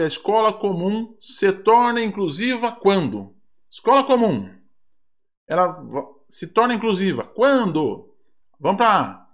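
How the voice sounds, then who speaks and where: A man with a Brazilian Portuguese accent, a teacher reviewing mock exam questions in an online lesson, reading aloud with ironic asides. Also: a little high.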